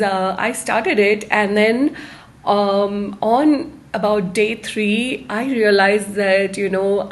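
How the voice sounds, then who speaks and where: A woman hosts a live self-help session for online viewers. She speaks slowly and deliberately in a medium-pitched voice, halting between short phrases and leaning on certain words. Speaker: host of a live-streamed self-help series.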